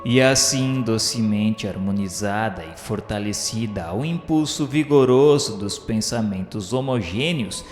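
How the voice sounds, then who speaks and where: A man reads a scripted radio novel at a slow, measured pace. His delivery is formal, solemn and declamatory. The voice rings in a long, echoey reverb, with music playing behind it. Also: mid-range voice. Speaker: narrator.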